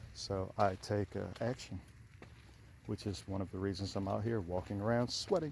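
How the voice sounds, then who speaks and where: Speaking with a normal speaking voice, a man talks at a fairly low pitch and moderate pace with fairly even intonation. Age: 50s. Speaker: registered nurse and health coach. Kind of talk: casual vlog monologue. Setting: outdoors walking in gardens.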